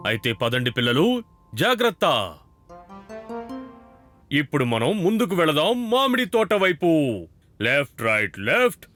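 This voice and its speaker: A man playing a kindly, patient father in a children's cartoon, speaking in an instructive, deliberate way. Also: fairly high pitch, sing-song, pushed and bright, heavily acted. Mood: encouraging. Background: prominent music.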